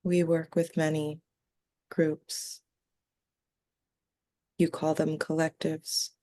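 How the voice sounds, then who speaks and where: A woman speaking as a trance medium for a calm collective of extraterrestrial beings, in halting, solemn, formal phrases. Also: low-pitched. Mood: solemn, detached. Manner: halting short solemn phrases with long breaks, formal wording. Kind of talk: trance channeling, seance medium.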